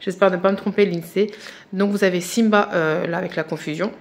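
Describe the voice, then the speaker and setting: A woman's voice: on the low side, steady tone, fairly quick. A French woman chatting casually and eagerly to her viewers about budget challenges as she unboxes them, with many fillers and restarts, and tired. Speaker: budgeting vlogger.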